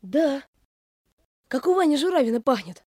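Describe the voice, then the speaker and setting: A woman playing a gentle, trusting small boy, a doctor's son, in a Soviet radio play. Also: high voice, big pitch swings, normal speed, dry recording, clean studio sound. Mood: hushed, eager.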